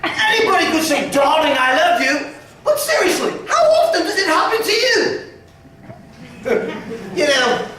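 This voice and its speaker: A cheeky Cockney lad with a high, lively voice that swoops up and down as he jokes and sings. He sounds brash and hungry to get ahead. It is heard from a distance in a very echoey theatre recording, with music behind. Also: a little hiss or hum, heavily acted. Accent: London Cockney. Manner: cocky, laughing, bursts into song. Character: brash cheeky working-class young man, ambitious. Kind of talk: stage musical acting and singing.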